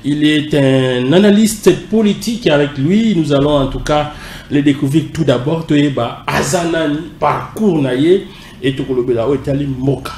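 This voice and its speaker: A man with a Congolese French accent hosts a TV interview, animated and switching into Lingala. His voice is a little high. The studio sounds echoey, with faint background noise. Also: normal speed. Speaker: TV host.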